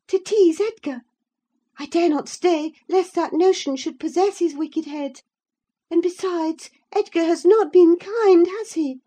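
A woman's voice: very high-pitched, dark tone, voice pushed up. A woman voicing a distraught, spiteful young woman who talks in agitated, breathless outbursts.

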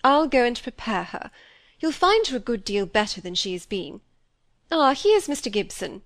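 A woman's voice: fairly high pitch, big pitch swings, normal speed, a bit bright, no echo. A woman voicing a fussy, self-pitying middle-aged stepmother who complains and talks over others, with a dry, close sound. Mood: peevish.

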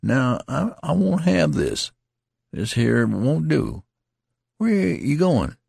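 A man's voice: on the high side, very animated, slow, creaky, darkish tone, breathy edge, no echo, studio quality, voice pushed up, heavily acted. A man voicing a dazed, wounded male soldier who rambles in a slurred, folksy country dialect. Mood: pleading. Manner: pleading, repetitive, plaintive.

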